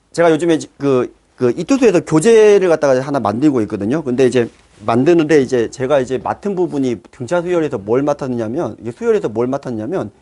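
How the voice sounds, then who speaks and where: A male math teacher giving a lively lesson to fellow teachers, acting out his students' reactions. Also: medium pitch. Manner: lively, acts out students' voices. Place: classroom.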